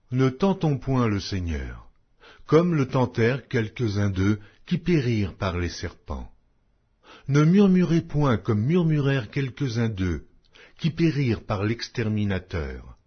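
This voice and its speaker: A man narrates scripture in a solemn, measured and emphatic style. His mid-pitched voice moves with animated rises and falls and has a husky grain. The recording sounds dull and lo-fi. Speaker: narrator of an audio Bible.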